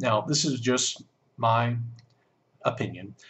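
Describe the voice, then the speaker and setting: A man's voice with fairly even intonation at a moderate pace. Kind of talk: casual advice talk. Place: home room. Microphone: webcam.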